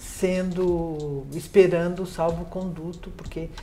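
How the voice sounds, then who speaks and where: A woman's fairly low voice in audible room echo. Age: 70s. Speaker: author and former political prisoner. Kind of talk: interview.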